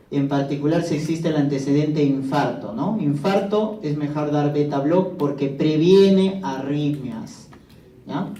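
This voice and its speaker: A man's voice: on the high side, dark tone, distant mic, a little hiss or hum. A man giving a pharmacology lecture in a classroom, asking the students questions and answering them himself. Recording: echoey classroom, voice from afar.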